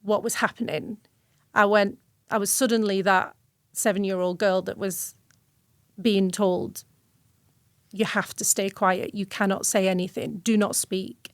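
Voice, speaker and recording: A woman's voice: medium pitch, level tone, a little slow, dry recording. A woman originally from Syria, speaking earnestly and reflectively as a guest on an interview podcast, often restarting her sentences. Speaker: guest researcher.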